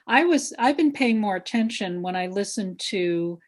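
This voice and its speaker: A woman with a medium-pitched voice acts as co-host. She chats casually and relays questions and comments in an informal way. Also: expressive, normal speed. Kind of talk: casual chat, reading out audience comments.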